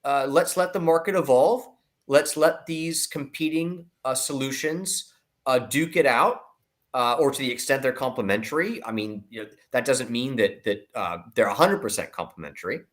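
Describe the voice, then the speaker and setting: A man giving conversational financial commentary as an analyst, emphatic and deliberate, repeating words as he builds his points. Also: mid-range voice, expressive. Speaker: investment analyst, guest commentator.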